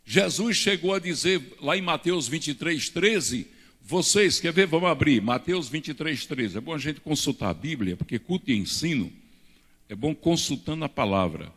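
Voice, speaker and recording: A man's voice: a little high, lively intonation, moderate pace, a bit bright, breathy edge. An older man from Brazil, a pastor preaching a teaching sermon at a pulpit into a handheld mic, with emphatic rises and gestures. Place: church stage at a pulpit. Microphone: handheld microphone. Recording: reverberant church hall.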